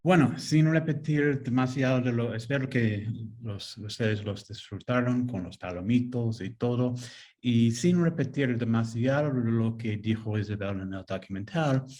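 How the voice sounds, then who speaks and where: Male author on a video call, English native, halting and slow, full of ums. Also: medium pitch, mellow. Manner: hesitant, many fillers and restarts. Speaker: author presenting his book. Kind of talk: casual virtual presentation.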